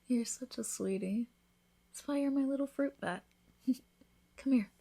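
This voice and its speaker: Breathy, affectionate vampire bride voiced by a woman. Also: high voice, a little slow, exaggerated voice. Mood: flirty teasing. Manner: soft-spoken, playful, tender, breathy whispers. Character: affectionate, teasing newlywed female vampire, protective and worried. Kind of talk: intimate ASMR roleplay addressed to listener.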